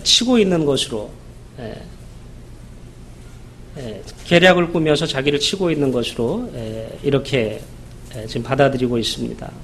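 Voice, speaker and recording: A man's voice: mid-range voice, a bit bright, slight background noise. A man preaching a sermon in a conversational way, reading scripture aloud and then retelling it in everyday speech with frequent "yes" interjections.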